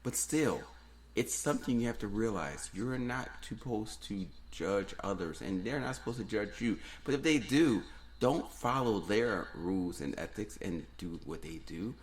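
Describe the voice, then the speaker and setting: A man who grew up in New Orleans, hosting a solo podcast and ranting earnestly, with repeated phrases for emphasis. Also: lowish voice. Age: adult, has daughters. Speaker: podcast host.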